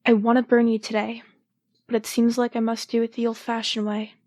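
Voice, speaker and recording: Casting: frustrated fiery heroine played by a woman, fairly high, dry close sound, audio drama. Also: little pitch movement, a little fast, darkish tone, no room sound, natural voice. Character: frustrated, impulsive woman with failing powers.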